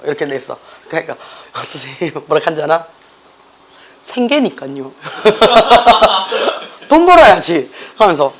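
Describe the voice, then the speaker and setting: Hoarse middle-aged teacher with a Gyeongsang accent. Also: mid-range voice. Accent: Gyeongsang Korean. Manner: animated, joking, mixing English words into Korean. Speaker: English academy teacher. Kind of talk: classroom lecture. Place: classroom.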